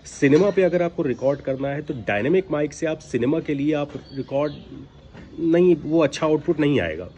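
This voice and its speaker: A man's voice: fairly high pitch, lively intonation, moderate pace, darkish tone. A man giving informal instructional talk as a voice-over coach, emphatic and admonishing, with rhetorical questions. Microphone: built-in device microphone, no mic attached. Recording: background noise, recorded without external microphone. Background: ambient noise from outside.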